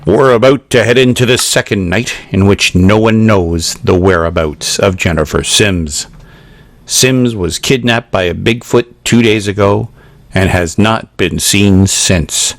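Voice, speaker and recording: Serious male newsreader played by an actor: lower register, measured and formal, very little room sound. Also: no room sound. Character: serious, formal male local news anchor. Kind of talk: dramatized news report.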